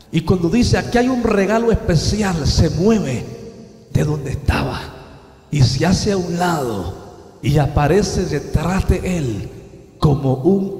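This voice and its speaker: A man's voice: a little high, gravelly. Impassioned man preaching in an echoey hall. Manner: impassioned, swings between hushed and shouting, keeps calling "hermano". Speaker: preacher giving a testimony. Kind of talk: dramatic testimony sermon. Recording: echoey hall with long reverb.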